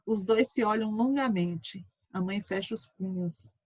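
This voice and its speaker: A woman teacher reading a session transcript aloud in a steady, measured way. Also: medium pitch, dry recording.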